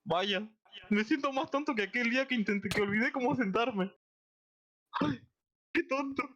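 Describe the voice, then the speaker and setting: A person improvising a game roleplay with friends in an excitable, theatrical way over online voice chat. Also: medium pitch, normal speed. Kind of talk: improvised Minecraft roleplay chatter. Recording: dull, slightly noisy gaming mic.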